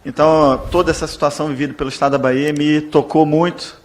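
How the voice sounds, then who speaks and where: A man's voice: a little high, flat delivery, fast, slight background noise. A Brazilian Portuguese-speaking man, a legislator, giving a formal, deferential speech in a parliamentary session. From Brazil, born in Salvador.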